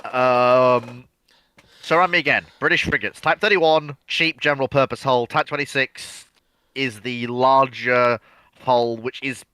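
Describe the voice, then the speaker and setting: Bright-voiced man in casual discussion. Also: medium pitch, steady tone, unhurried, clean tone, no echo.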